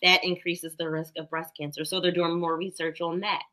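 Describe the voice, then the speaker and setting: Bright-voiced woman doctor explaining. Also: on the low side, flat delivery, normal speed, a little hiss or hum. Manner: confident, explanatory. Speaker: doctor and guest. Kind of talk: explaining health facts. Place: home room, video call.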